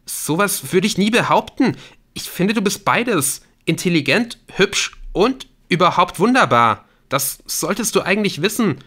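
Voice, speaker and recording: Audiobook role: accused young boyfriend, voiced by a male narrator, urgent, lifted pitch, bright and tense. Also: sing-song, unhurried, full character voice. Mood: bewildered, defensive. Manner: earnest, urgent, defensive. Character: anxious, pleading young man, the accused boyfriend.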